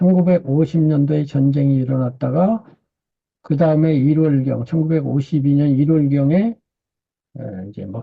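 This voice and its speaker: A somewhat breathy man talks at a fairly slow pace, his pitch fairly high with ordinary variation. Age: 70s. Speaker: writer and professor. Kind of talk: lecture. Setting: video call.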